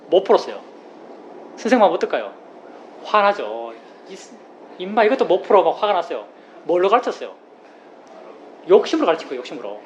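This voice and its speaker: Man, Buddhist monk, dharma talk, high lively voice, repeats his points, slightly dull recording, faint room hum. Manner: plain spoken, repeats key phrases, gives everyday examples. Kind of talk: dharma talk to a meditation group.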